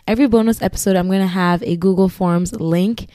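A woman with a Ghanaian accent hosts her podcast alone, talking in a loose, rambling way with little giggly asides. Her voice sits at a middling pitch and comes through dry and close, with no room sound around it. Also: fairly even intonation, a little fast, dark tone, dry recording. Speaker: podcast host. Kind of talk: casual solo podcast chat.

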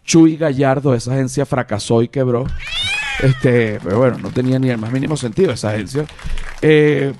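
Chatty Venezuelan podcast host. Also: male voice, medium pitch, moderate pace, noisy background. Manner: rambling, many fillers and restarts, animated. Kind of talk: casual podcast chat.

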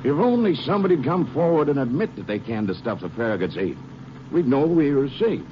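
Casting: male actor as folksy county sheriff, lively swooping delivery, noisy old radio recording. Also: medium pitch, a little fast, highs cut off, natural voice. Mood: businesslike. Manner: informal, plainspoken. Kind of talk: 1950s radio western acting.

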